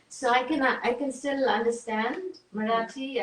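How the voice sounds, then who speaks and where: A woman speaks at a high pitch and a fairly slow pace. Noticeable background noise surrounds her voice. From India, Calcutta. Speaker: poet. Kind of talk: Q&A discussion after reading.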